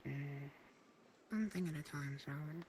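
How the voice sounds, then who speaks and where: A woman's voice: low voice, measured pace, a little mellow, slight background noise. A woman playing an evasive, composed Leviathan dragon in human form, in an improvised fantasy roleplay. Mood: coolly evasive.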